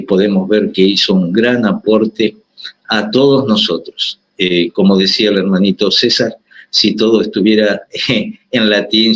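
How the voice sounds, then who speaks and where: Argentine guy on a panel, really low husky voice, lots of um and restarts. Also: rough recording. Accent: Argentine Spanish. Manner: hesitant, many fillers and restarts. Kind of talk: panel discussion.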